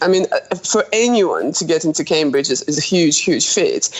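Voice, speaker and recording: A woman with a Russian accent over noticeable background noise. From Russia, Moscow. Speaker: historian. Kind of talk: interview. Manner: halting, many repetitions.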